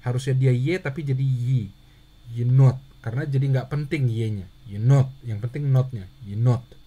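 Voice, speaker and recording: A man teaching a handwriting lesson, patient and steady, who asks questions and answers them himself. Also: medium pitch, brisk, husky. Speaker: Russian language teacher.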